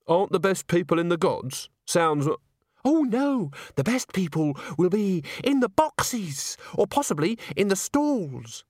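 A man's voice: high voice, sing-song, measured pace, darkish tone, no room sound, studio quality, pitched above the performer's own voice, heavily acted. A man voicing a giddy young woman of the stage in a storybook, gushing and trilling in a theatrical, romantic manner. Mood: gushing, grand. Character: giddy, breathless young female stage singer, grandly romantic.

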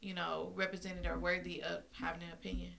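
A woman's voice: lowish voice, level tone, a little fast, creaky, crowd noise. A woman with an African American accent talking casually in a group discussion as a podcast co-host.

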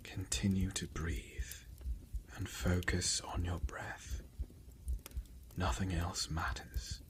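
A man's voice: low voice, little pitch movement, slow. A man whispering soothing, comforting words in an ASMR style.

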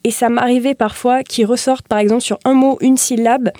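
A woman's voice: a little high, fairly even intonation, fairly quick, mellow, no room sound, clean studio sound. A woman from southern France hosting a casual conversation and asking questions. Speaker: host.

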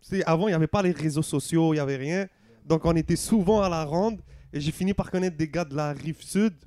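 Relaxed man, mellow voice. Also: fairly high pitch, quick pace, no echo. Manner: relaxed, mixes French and English slang. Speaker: podcast co-host. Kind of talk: casual interview chat.

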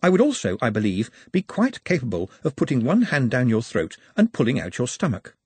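A man voicing a polite, precise male orc who stays menacingly calm and speaks in formal, pedantic phrases. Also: medium pitch, brisk, slightly rough, dry recording. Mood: calmly menacing.

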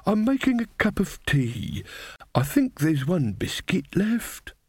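A man's voice: high voice, very animated, slow pace, a little mellow, slightly rough, no echo, pitched above the performer's own voice, heavily acted. A man voicing a mild, cheerful old fairy godmother woman who chats and rambles. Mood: mild, chatty.

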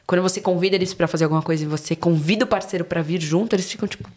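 Speaking very fast in a lowish voice, this young woman from Brazil brings a São Paulo accent to a relaxed podcast chat as a guest. She's an animated storyteller who performs the dialogue of whoever she's quoting.

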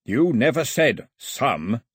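A man voicing a big, strong, stubborn man who speaks slowly and solemnly, weighing each word. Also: very animated, breathy edge, dry recording, clean studio sound, heavily acted. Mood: insistent. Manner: slow, solemn, rumbling.

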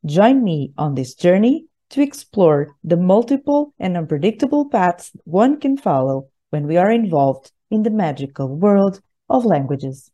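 A woman hosting an interview podcast, enthusiastic and quick to laugh. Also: lowish voice, sing-song, dark tone, dull audio. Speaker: podcast host.

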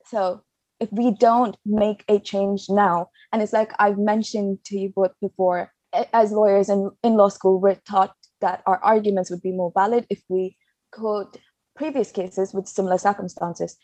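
A woman's voice: medium pitch, fairly even intonation, normal speed, darkish tone, no echo, poor audio. A young woman studying law, talking in casual chat, blunt and passionate and cursing freely. English is not her mother tongue. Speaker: law student.

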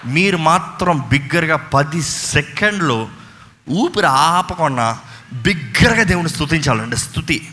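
A man's voice: a little high, lively intonation, measured pace. A male pastor preaching a fervent sermon and leading prayer in a church, urging the crowd with repeated calls. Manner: fervent, repetitive exhortation, calls for loud praise. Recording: reverberant church hall with music.

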